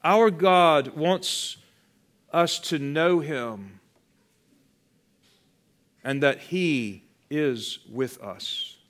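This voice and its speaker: Male pastor, sermon delivery, unhurried and measured, hushed emphasis. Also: fairly high pitch. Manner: slow, deliberate preaching that drops to a hush on key words.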